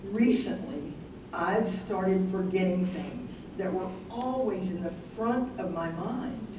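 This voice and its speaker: A woman's voice: on the low side, takes it slowly. A woman playing a thoughtful, anxious professor wife troubled by her memory in a staged play reading. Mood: worried. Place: live staged reading in a room. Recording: noisy, echoey room from a distance.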